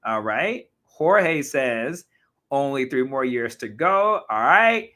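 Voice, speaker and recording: Slightly hoarse, animated male talk host. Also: medium pitch, takes it slowly. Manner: animated, frequent restarts and self-corrections. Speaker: talk show host reading viewer comments. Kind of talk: casual live-stream commentary.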